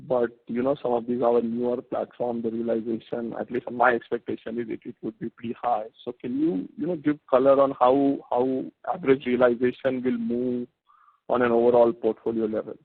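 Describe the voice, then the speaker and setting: A man asking questions as an analyst on a conference call, polite and halting, often repeating words. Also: medium pitch, flat delivery, gravelly, husky, no echo. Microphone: phone handset. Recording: tinny narrow phone line.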